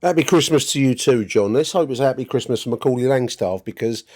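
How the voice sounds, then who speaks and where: A football podcast host talks fast in a darkish, mid-range voice, rambling through his opinions and repeating words as he thinks. It's conversational football commentary.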